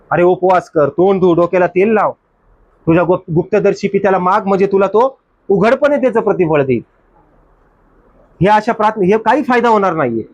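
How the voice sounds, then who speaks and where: High-pitched man preaching a sermon. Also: darkish tone, no room sound. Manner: exhorting, rhetorical questions, mimics excuses. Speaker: pastor.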